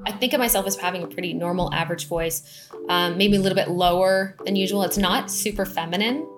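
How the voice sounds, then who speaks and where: Fast-talking woman with music behind. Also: on the low side. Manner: frank and chatty, with filler words. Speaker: interviewee. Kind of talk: casual chat.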